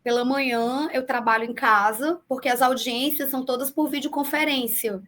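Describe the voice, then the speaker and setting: Her accent blends southern and northeastern Brazilian Portuguese: a public defender in her forties responds to interview questions via video call. High-pitched, a bit bright, and steady in tone, she explains in a measured way with frequent fillers.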